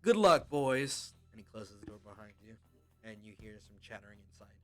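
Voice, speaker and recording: A man narrating a tabletop role-playing game as game master, describing scenes in a casual, halting way. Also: on the low side, monotone, soft background music.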